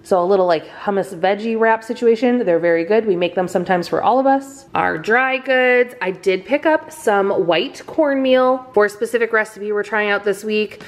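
A woman in her thirties talks through her groceries in a relaxed, chatty way, sprinkling in little fillers as she goes. Her voice sits at an ordinary middle pitch, and she is recorded in a home kitchen. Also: normal speed, few pauses. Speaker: vlogger. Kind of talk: casual grocery haul narration.

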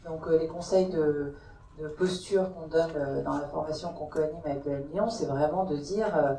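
A woman's voice: sits low, moderate pace, dark tone, a little hiss or hum. A woman panelist at a round-table discussion, speaking hesitantly with many restarts into a handheld mic. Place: large conference hall. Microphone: handheld mic, filmed from far. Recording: echoey hall from far off.

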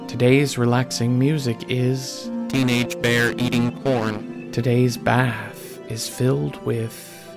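A man's voice: mid-range voice, level tone, takes it slowly, creaky. A man reading scripted podcast credits and sponsor messages as the announcer. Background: music.

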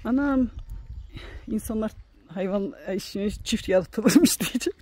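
A woman's voice: normal speed, a little mellow, breathy edge. A woman vlogging casually to her viewers outdoors in a farmyard, chatting along and cooing fondly at her chickens. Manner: chatty, coos affectionately at her chickens in a higher voice. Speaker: village life vlogger. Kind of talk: casual vlog chat to viewers.

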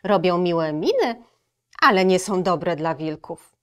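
A woman's voice: on the low side, expressive, slow, smooth. Woman doing a timid scared wolf. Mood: fearful. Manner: anxious, hesitant, pleading. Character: timid, jumpy male wolf, easily frightened.

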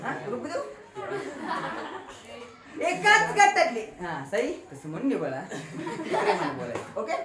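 Speaking a little high with huge pitch swings, this Marathi-accented woman teacher goes slowly and pauses often, a crowd audible behind her. During a grammar lesson she teases her pupils and quizzes them through call-and-response, the echoey classroom ringing with children's voices.

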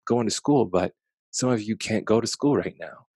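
A man's voice: on the low side, normal speed, darkish tone, husky, dry recording, clean studio sound. An American man around forty reading and talking to children at storytime, addressing them directly with questions on a headset mic. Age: 30s or 40s. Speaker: children's author reading aloud. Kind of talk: children's storytime talk and read-aloud. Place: small bedroom at home. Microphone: headset microphone.

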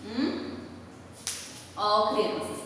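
A woman teacher with a Brazilian accent, giving a recorded lesson to young children, slow and patient, stressing each syllable clearly. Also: mid-range voice, fairly bright tone, a little hiss or hum. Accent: Brazilian Portuguese. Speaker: schoolteacher. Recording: echoey room heard from far off.

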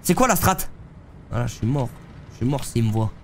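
A man's voice: mid-range voice, sing-song, fairly quick, slight background noise. Slangy young man streaming, stuffy cold. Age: young adult. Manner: slangy, loose, talks to chat while playing. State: congested with a head cold. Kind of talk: live gameplay streaming, chatting with viewers. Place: streaming room, seated in a gaming chair.

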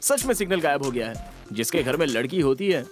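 A man's voice: on the high side, expressive, brisk, close to an everyday voice. An actor dubbing a cocky young male hero who keeps teasing with a playful, mocking tone. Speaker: film hero. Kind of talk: dubbed film acting. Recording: film soundtrack with loud music.

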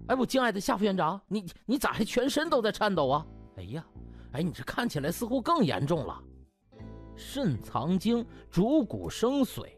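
A man's voice: sits high, huge pitch swings, moderate pace, faint music behind, voice pushed up, heavily acted. A man voicing a cocky young doctor in an audiobook, wordy and theatrical, feigning fawning concern to mock someone. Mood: mocking alarm.

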